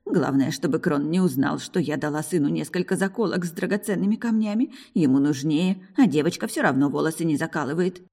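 A woman's voice: low voice, a little fast, hardly any pauses, a little mellow, slightly rough, dry recording, clean studio sound. A woman voicing a stern older nanny who scolds and lectures in a reproachful tone, in a fantasy audiobook. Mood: worried.

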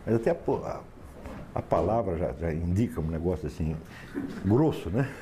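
Sardonic man lecturing, deep and lively. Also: moderate pace, noisy background. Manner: emphatic, sardonic, asks "tá certo?" for assent. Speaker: philosophy lecturer. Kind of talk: lecture to a class.

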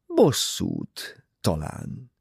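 A man reading aloud, voicing a calm, shrewd older detective who speaks quietly and thoughtfully. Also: fairly low pitch, gravelly, slightly rough, dry recording, clean studio sound, full character voice. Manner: quiet, measured and musing.

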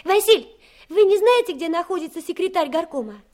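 A woman's voice: very high voice, animated, a little fast, a little mellow. A woman playing a sweet young girl, an army commander's daughter, in a radio drama. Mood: excited. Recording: music under radio play.

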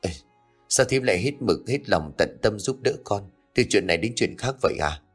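A long-suffering young mother speaks softly and meekly, holding back her grief, as a male narrator puts her on. The lowish voice moves with lively swings of pitch. Faint music sits underneath. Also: moderate pace, husky. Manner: soft, meek, restrained. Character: young abused mother, meek, patient and tearful.

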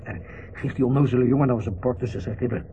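A man's voice: medium pitch, steady tone, very fast, warm tone, lightly acted. Gloomy, sardonic boss and husband played by a man for radio drama, irritable delivery, narrow muffled sound with heavy hiss. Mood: irritated. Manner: grumbling, curt, sardonic. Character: irritable, gloomy company director, husband driving. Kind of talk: Dutch radio play acting. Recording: muffled, noisy old radio play recording.

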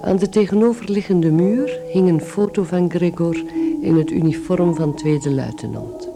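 Male radio play narrator; scripted, descriptive storytelling set over a clear musical bed. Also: high-pitched, normal speed, over music.

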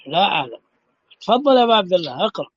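A man teaching an online class as the sheikh, speaking calmly and patiently. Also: high-pitched, rapid-fire, slightly rough, no echo, highs cut off. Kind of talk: online lesson, checking the audio.

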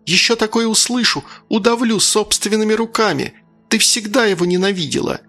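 A man voicing a hysterical, shrill middle-aged mother in a spoken story. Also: fairly quick, gravelly, pushed and bright, faint music behind, exaggerated voice. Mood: furious.

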